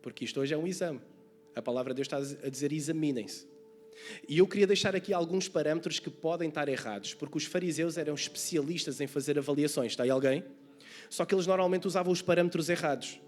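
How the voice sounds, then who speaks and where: A man's voice: fairly high pitch, quick pace, darkish tone, faint music behind. A man from Portugal with a European Portuguese accent, preaching a sermon as pastor and asking his congregation questions. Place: church service.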